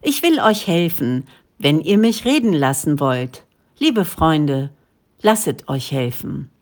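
A woman's voice: deep voice, big pitch swings, takes it slowly, full character voice. A woman reading the part of an earnest male prophet who speaks in a solemn, preaching way. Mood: impassioned.

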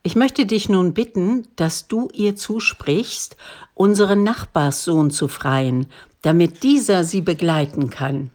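A woman's voice: on the low side, takes it slowly, a little mellow. Woman reading as a worried old father. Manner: hesitant, then overwhelmed.

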